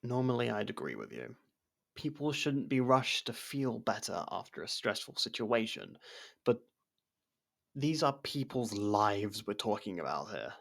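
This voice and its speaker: Creaky-voiced, guarded male convict played by an actor. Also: lowish voice, very animated, measured pace, a bit bright, exaggerated voice. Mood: firm, frustrated. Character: jailed man helping an investigator, guarded, blunt, wryly supportive. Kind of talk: ASMR roleplay audio drama.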